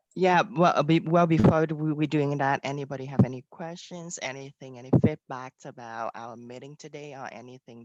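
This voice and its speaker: At a moderate pace, a man with a Vietnamese accent and a fairly high pitch speaks in a dry, close sound with no echo. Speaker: English speaking club host. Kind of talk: casual group video chat.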